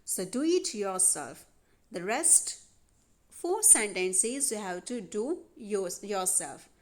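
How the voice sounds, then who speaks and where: Over a video of a handwritten worksheet, a woman walks students through grammar, repeating her instructions with patience. She speaks slowly in a sing-song, medium-pitched voice.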